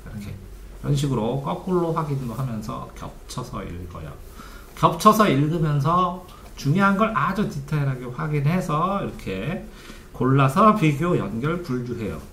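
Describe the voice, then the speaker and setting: A man's voice: a little high, a bit bright. Guy coaching students on how to read for exams, voice goes up and down a lot, quizzes them then answers, kinda echoey room with faint hiss. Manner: asks the class questions and answers them himself. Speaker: study coach. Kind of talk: study-method lecture.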